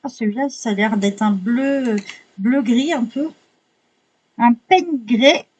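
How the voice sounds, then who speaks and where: A woman with a slightly husky, somewhat high voice chats through an unboxing. She is excitable, swears casually and keeps apologizing as she goes. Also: slow pace, highs cut off. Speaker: vlogger unboxing art supplies.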